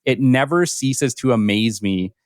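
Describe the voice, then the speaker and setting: Male podcast host, upbeat and gushing, dry close sound, mid pitch. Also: expressive, unhurried, smooth, dry recording. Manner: enthusiastic, effusive praise. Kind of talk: podcast interview.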